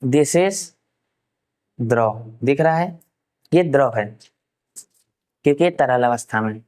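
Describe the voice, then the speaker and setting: A man with a smooth, resonant voice at a middle pitch teaches a science class. He poses questions and answers them himself. He repeats key terms slowly so students can write them down. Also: animated, a little mellow. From Uttar Pradesh, India.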